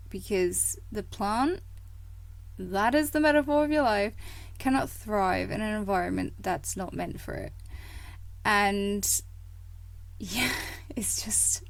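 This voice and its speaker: A woman hosts a motivational podcast, talking slowly and loosely with plenty of fillers and soft laughs. Her voice is croaky from a cold that is coming on, with a gravelly fry underneath. The sound is close and dry, with no room echo. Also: mid-range voice. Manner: chatty and rambling, many fillers and laughs. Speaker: podcast host. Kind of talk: casual motivational podcast monologue.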